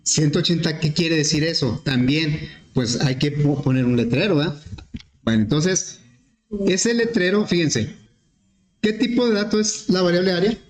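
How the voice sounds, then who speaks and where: A man teaching programming, explaining step by step with questions to the class and often clearing his throat. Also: a little high, normal speed, slight background noise. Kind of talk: screen-recorded class explanation. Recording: echoey room.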